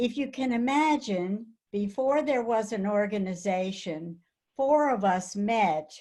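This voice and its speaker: At a very slow pace, the somewhat breathy voice carries lively intonation. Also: woman. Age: 80s+. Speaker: dance therapist, past association president. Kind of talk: webinar panel presentation.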